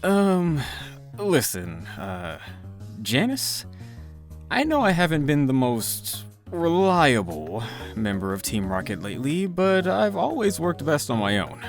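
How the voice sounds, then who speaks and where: A man's voice: on the high side, huge pitch swings, slow pace, faint music behind, heavily acted. A man voicing a hapless, defensive male villain grunt in a fan parody cartoon, hesitant and aggrieved. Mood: sheepish.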